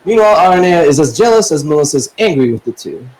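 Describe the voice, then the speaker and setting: A man's voice: fairly high pitch, very animated, quick pace, a little mellow, breathy edge, rough recording. A man narrating a web novel chapter aloud on a podcast, stumbling and correcting himself as he reads. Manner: narrates with frequent slips, self-corrections and laughter.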